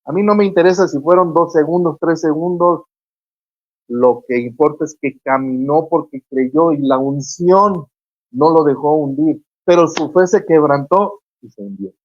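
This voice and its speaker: A preacher, preaching fervently on a Christian radio show and retelling scripture stories with acted quotes. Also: female voice, deep voice, normal speed, darkish tone, no echo, muffled recording. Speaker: guest preacher on a radio program.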